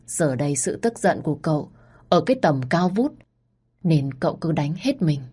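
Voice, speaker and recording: A woman narrating a story in the first person, expressive and acting out the dialogue. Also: low-pitched, normal speed, breathy edge.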